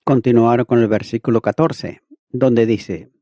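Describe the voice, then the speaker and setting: A man reading an expository Bible commentary in a measured, methodical way, as if teaching from a prepared text. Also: mid-range voice, fairly even intonation, warm tone, no room sound. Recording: dull, lo-fi, dry recording.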